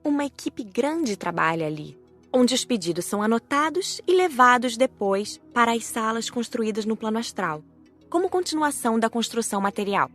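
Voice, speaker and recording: A Brazilian woman reading scripted audiobook narration in a measured storytelling manner. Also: a little high, very animated, a bit bright, soft background music.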